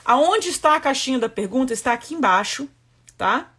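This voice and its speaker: A woman's voice: high-pitched, lively intonation, moderate pace, fairly bright tone, husky. A woman hosting a live stream, chatty and upbeat, rattling off topic lists in a casual way. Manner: chatty, repetitive list-making, upbeat. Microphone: webcam or phone for live stream.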